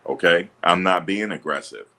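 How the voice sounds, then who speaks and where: Deep-voiced, assertive man streaming live. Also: moderate pace, sharp tone. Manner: assertive, blunt, combative. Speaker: livestream host. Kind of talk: livestream commentary answering chat. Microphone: streaming setup.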